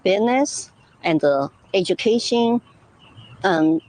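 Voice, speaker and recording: Woman, mandarin is her first language, speaking english in an interview, earnest and halting, middle pitch. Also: animated, a little mellow, rough recording. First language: Mandarin Chinese. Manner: earnest, halting, simple phrasing. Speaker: interviewee, political candidate. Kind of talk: news interview answers.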